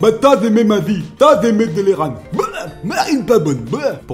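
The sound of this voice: A man's put-on character voice, high in pitch, at a moderate pace over clear background noise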